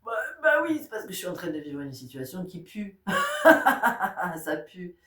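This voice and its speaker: A woman's voice: on the low side, huge pitch swings, unhurried, a bit bright. A middle-aged woman with a stuffy nose from a cold, giving a casual spiritual talk that speaks directly to listeners and often breaks into laughter. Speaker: spiritual guide. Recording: roomy sound, distant mic.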